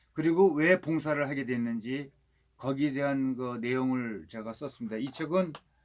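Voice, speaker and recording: A man with a fairly high pitch is heard in a very clean recording with a silent background. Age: 60s. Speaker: author and speech lecturer. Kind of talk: casual monologue about own books. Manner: hesitant, frequent fillers.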